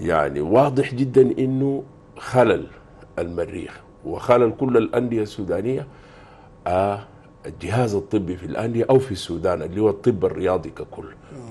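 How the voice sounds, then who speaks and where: A somewhat breathy man at a moderate pace, lively intonation and big swings in loudness. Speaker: guest, former football coach staff. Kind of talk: interview answer. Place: studio. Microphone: lapel.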